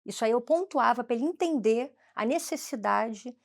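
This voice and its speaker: A woman's voice: a little high, lively intonation, moderate pace, creaky. A woman with a Brazilian Portuguese accent, a former school principal, telling a story in conversation and acting out the dialogue with shifting voices.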